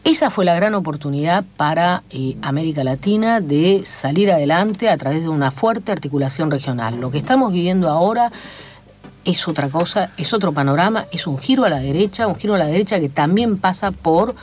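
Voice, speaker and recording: Chilean woman guest on a radio show, lowish voice that swings around a lot, lecturing and measured, lots of ums. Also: animated, darkish tone. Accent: Chilean Spanish. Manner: measured, lecturing, many fillers. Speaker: guest, academic commentator. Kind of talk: radio interview, analytical talk. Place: radio studio.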